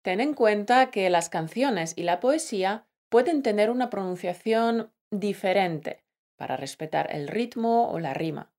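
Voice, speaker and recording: A woman's voice: medium pitch, expressive, measured pace, darkish tone. Woman, podcast co-host, playful, affectionate, scripted lesson. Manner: playful, affectionate, addresses listener as "tesoro". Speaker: podcast co-host, Spanish teacher.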